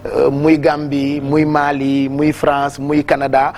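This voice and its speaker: A man with a Senegalese accent hosting a TV studio interview, steady and affirming as he questions his guest. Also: on the high side, takes it slowly, faint music behind. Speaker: TV host.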